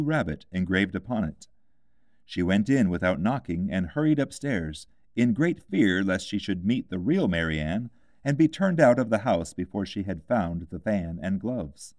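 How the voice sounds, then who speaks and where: A man's voice: lowish voice, darkish tone, no echo, clean studio sound. A man reading a classic children's story aloud as scripted audiobook narration. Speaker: audiobook reader.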